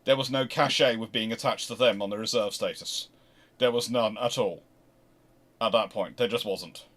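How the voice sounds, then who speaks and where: A man with a bright, forward voice talks through his points in an unscripted expert discussion. He often stops, doubles back and restarts a phrase before carrying on. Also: on the low side. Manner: halting, repeats and restarts phrases. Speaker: naval history discussion panellist.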